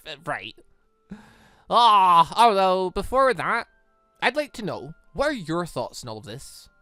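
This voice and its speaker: A gaming host with a bright, lively voice that swings widely in pitch. The delivery is casual and rambling, full of animated exclamations. The sound is close and dry, with music underneath. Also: unhurried, no room sound. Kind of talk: casual playthrough commentary, reading visual novel dialogue aloud.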